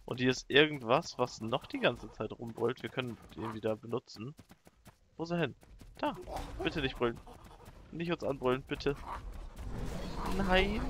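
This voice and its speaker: A man with a medium-pitched voice narrates his own gameplay in a casual let's-play style, animated and quick to shriek in panic when things go wrong. There's noise in the background.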